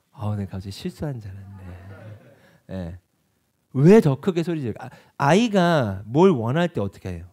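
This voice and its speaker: A man's voice: mid-range voice, dark tone, breathy edge. A man preaching a sermon as pastor at a church evening prayer meeting, asking the congregation repeated rhetorical questions.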